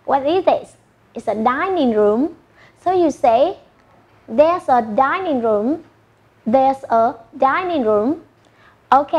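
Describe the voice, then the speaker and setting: High-voiced slow teacher woman. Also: muffled recording. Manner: slow modelling of words for repetition. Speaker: English teacher. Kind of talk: online primary English lesson.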